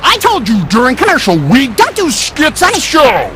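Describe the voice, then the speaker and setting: A man voicing a cocky, pompous race car who presents a TV show in a video game, run through a pitch-shifting voice changer. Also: huge pitch swings, normal speed, heavy background noise, exaggerated voice. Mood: exasperated. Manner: pompous, self-important, easily exasperated. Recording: loud music behind voice.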